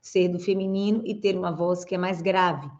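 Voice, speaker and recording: A woman's voice: fairly low pitch, steady tone, normal speed, a little mellow. Brazilian lady speech coach explaining stuff patiently, kinda muffled audio. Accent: Brazilian Portuguese. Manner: didactic, explains step by step with frequent "né?" and "tá, gente?". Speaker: speech therapist and communication coach. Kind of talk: answering viewer questions on camera.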